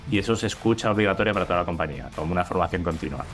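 Madrid guy, deep voice, talks slow and careful with lots of ehs. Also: lively intonation, faint music behind. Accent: Madrid Spanish. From Madrid, Spain. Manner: measured, thoughtful, many hesitations and repeated words. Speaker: guest, head of sales. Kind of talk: interview answers.

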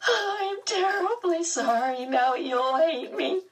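A woman's voice: on the high side, fairly even intonation, slow, slightly rough, far from the mic, pitched above the performer's own voice. A woman reading aloud, voicing an insecure teenage girl who speaks shakily through tears. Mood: tearful. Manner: shaky, trembling over tears.

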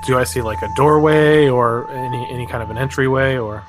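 A man's voice: mid-range voice, a little fast, over music. A man playing a tabletop game, talking casually and tentatively as he thinks aloud.

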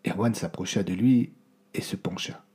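A man narrating a story in a hushed, suspenseful way. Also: low voice, moderate pace, husky.

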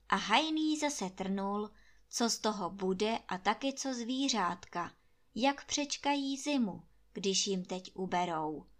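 A woman reading a fairy tale aloud, narrating in a lively, expressive way. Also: medium pitch. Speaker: storyteller.

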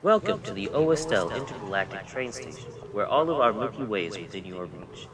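A man playing a train station announcer, making formal, measured announcements amid crowd noise. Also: on the low side, big pitch swings.

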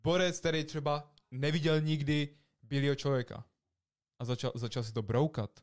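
A young man co-hosting a podcast, chatting casually in slangy, excitable talk. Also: fairly high pitch. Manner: slangy, excitable, imitates voices in stories. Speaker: podcast co-host. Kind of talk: casual chat.

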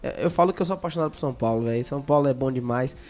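A man's voice: mid-range voice, very fast, a little mellow. A young man from Bahia with a Bahian accent, a songwriter chatting and joking in an interview, often stammering on repeated words. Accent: Bahian Brazilian Portuguese. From Bahia, Brazil. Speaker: songwriter guest. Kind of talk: casual interview chat.

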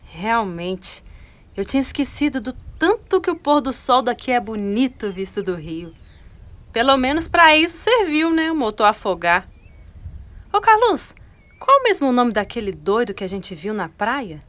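A woman's voice: on the high side, big pitch swings, a little slow, fairly bright tone. An actress playing a chatty, curious woman stranded on a river in a radio drama. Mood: curious, startled.

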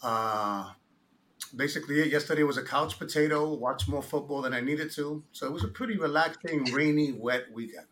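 A man appearing as an author guest on a podcast, chatting in a relaxed way and pausing with "uh". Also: on the high side, a little hiss or hum. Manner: relaxed, fills pauses with "uh". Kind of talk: casual interview chat.

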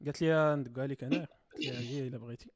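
A man's voice: medium pitch, steady tone, very fast, dry recording, studio quality. A man with a Moroccan Arabic accent chatting casually as a podcast co-host, telling jokey anecdotes and mixing in French words.

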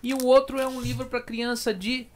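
A man's voice: very high-pitched, flat delivery, a little fast, slight background noise. A man co-hosting a livestream, making casual announcements to viewers with a joking, informal manner. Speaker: livestream co-host.

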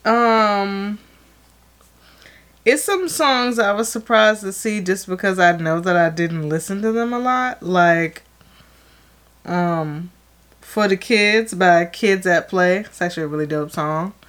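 A woman's voice: mid-range voice, takes it slowly, a bit bright, clean tone. A young adult woman co-hosting a podcast, chatting casually and hesitantly with many fillers. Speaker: podcast co-host. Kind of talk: casual chat.

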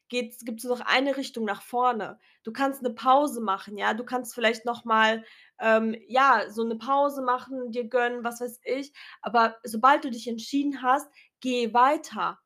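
A woman speaking loudly and earnestly to her viewers in a casual, unedited motivational vlog, her voice a little strained. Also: fairly high pitch. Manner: earnest, encouraging, talks loudly. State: clearing her throat, voice a bit strained. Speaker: vlogger. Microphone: self-recorded, unedited.

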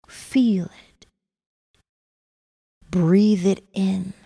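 A woman softly narrating a guided meditation in a soothing manner, with gravelly fry and breathy phrase endings that trail toward a whisper. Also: medium pitch, fairly even intonation, drawn-out words. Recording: long reverb on the voice.

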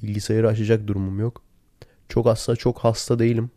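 A man with a hoarse, worn-out voice, sick and tired, chatting casually alone into a close recorder. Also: fairly low pitch, level tone, fairly quick, mellow, no echo. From Turkey. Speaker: podcast host. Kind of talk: casual solo podcast chat. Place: in bed at home. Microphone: handheld voice recorder, close.

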